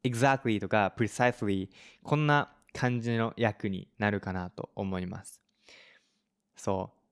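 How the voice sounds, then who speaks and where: A man hosting a language-lesson podcast, explaining word usage in a relaxed way and mixing in English examples. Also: fairly low pitch, takes it slowly, clear, resonant tone. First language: Japanese. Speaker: Japanese teacher, podcast host.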